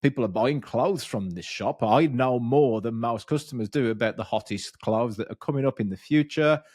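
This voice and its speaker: A man's voice: mid-range voice, moderate pace, no echo, studio quality. Blunt Birmingham man coaching on camera. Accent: Birmingham English. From Birmingham, England. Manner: blunt, energetic, swears freely. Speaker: business coach and podcast host. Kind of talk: direct-to-camera coaching talk. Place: small dark studio room with bookshelves. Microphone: studio mic on boom arm.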